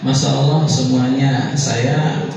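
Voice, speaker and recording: A man giving a formal welcome speech as a school leader, in deliberate, drawn-out phrases with pauses. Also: mid-range voice, steady tone, crowd noise. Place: large reverberant indoor hall with an audience. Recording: very echoey hall, distant muffled mic, audience noise.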